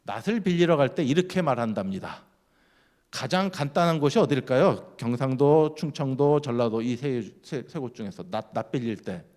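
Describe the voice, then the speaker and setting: Lively man preaching with a sweeping pitch. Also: normal speed. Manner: lively, keeps quizzing the congregation. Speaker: guest speaker at a church. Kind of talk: sermon.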